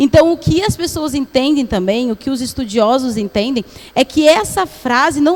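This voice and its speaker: A woman with a Brazilian accent, high-pitched, lively in intonation, at a moderate pace amid noticeable background noise. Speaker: Bible study teacher. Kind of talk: Bible study lesson.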